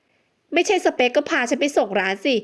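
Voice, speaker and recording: A woman voicing a fiery young woman who shouts and scolds indignantly, in a storybook reading. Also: sits high, animated, moderate pace, pitched above the performer's own voice.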